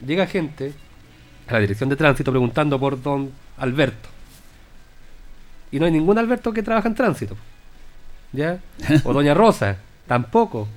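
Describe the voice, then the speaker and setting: A man's voice: a little high, expressive, normal speed, long pauses, soft background music. A Chilean man, a guest on a radio show, telling an anecdote in a friendly way. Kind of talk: radio talk.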